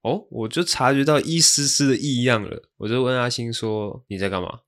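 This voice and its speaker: 一位带台湾口音的年轻男播客主持人，用平淡的口吻讲日常小故事。. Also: male voice, medium pitch, normal speed. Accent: Taiwanese Mandarin. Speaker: podcast co-host. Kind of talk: casual storytelling.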